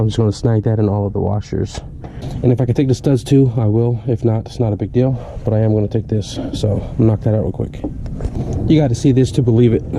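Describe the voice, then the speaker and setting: Noticeable background noise surrounds a man who talks at a fairly quick pace with a medium pitch and fairly even intonation. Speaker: car enthusiast vlogger. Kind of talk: casual vlog narration. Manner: casual, conversational.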